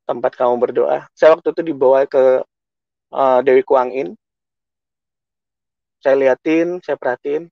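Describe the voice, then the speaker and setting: A man's voice: mid-range voice, darkish tone, dry recording. Man giving an earnest testimony, dull lo-fi sound. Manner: earnest, emotional storytelling with many self-quotes. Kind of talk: personal testimony to a congregation.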